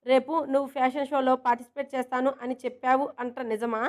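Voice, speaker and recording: An affectionate, teasing girlfriend, put on by a woman narrator; high voice, fond and coaxing. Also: level tone, fast, natural voice. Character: teasing, affectionate young woman friend and coworker.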